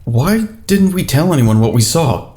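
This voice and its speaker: A man's voice: medium pitch, animated, moderate pace, a little mellow, husky. An actor playing an earnest, insistent grown man troubled by his youth, in an audio drama.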